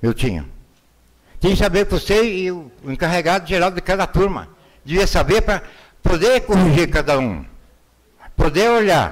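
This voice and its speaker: A high-pitched man with long, frequent pauses against a quiet background. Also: ordinary pitch variation, moderate pace. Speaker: city councillor. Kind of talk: council debate speech. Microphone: podium.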